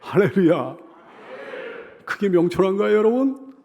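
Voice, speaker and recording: A man's voice: sits high, big pitch swings, measured pace, darkish tone. A male pastor delivering a Sunday sermon, emphatic and repeating his exhortations with rhetorical questions to the congregation.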